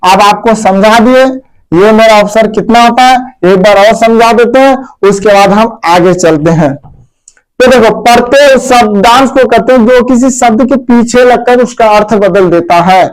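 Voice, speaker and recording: High, clear-voiced man teaching grammar. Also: unhurried, rough recording. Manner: repeats key words, quizzes pupils with "बोलो"; addresses pupils as "मेरे प्यारे बच्चों". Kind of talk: Hindi grammar lesson at a board.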